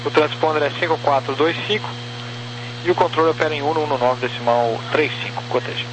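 A man with a Brazilian accent working as an air traffic controller, giving procedural, clipped clearances with digits spelled out over a crackly radio. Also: a little high, steady tone, fairly quick. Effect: crackly aviation radio. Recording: noisy crackly radio transmission with hum.

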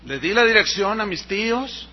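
A Mexican pastor preaching with a high, husky voice, telling his story in an animated way and giving each person in it their own voice. The recording sounds dull and lo-fi, like an old sermon tape. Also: normal speed. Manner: animated storyteller acting out dialogue.

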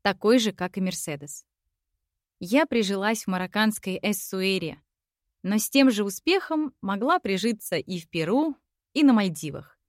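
A woman's voice: mid-range voice, lively intonation, normal speed, no echo, clean studio sound. A woman reading a first-person novel aloud in a reflective, wry manner. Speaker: audiobook narrator. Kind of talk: first-person literary narration.

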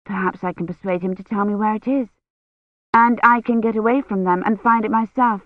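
A narrator voicing an anxious young woman who speaks in guarded, hushed tones and thinks tensely to herself. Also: on the high side, fairly even intonation, a little fast, dry recording, phone-quality sound, voice pushed up, close to an everyday voice. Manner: hushed, tense inner thoughts. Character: anxious young woman, secretly desperate to slip away.

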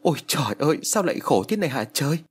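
A man's voice: on the high side, big pitch swings, racing, husky, pitched above the performer's own voice. A man voicing a tearful middle-aged woman relative in a spoken horror story, choked and lamenting.

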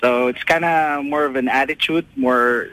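A man's voice: mid-range voice, fairly even intonation, normal speed, pushed and bright. A man calling in to a radio show who speaks hesitantly, full of restarts. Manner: hesitant, many fillers and restarts. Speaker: caller. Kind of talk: phone-in chat.

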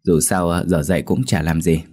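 A man voicing a calm, reassuring grown son in a spoken ghost story. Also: low-pitched, moderate pace, slightly rough.

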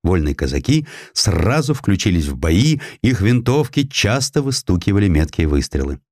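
A man reads a historical tale as scripted audiobook narration, with a dramatic, expressive storytelling delivery. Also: low-pitched, moderate pace, no echo, studio quality.

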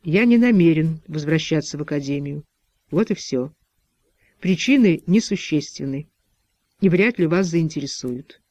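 A man's voice: fairly high pitch, expressive, normal speed, darkish tone, no room sound, lightly acted. A man voicing a reserved, weary middle-aged doctor who gives curt, guarded replies.

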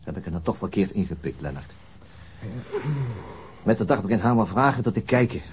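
An actor playing a weary, worried police detective in a radio drama, with a husky voice and a brooding, measured manner. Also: male voice, lowish voice, expressive, background noise, lightly acted. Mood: weary, frustrated.

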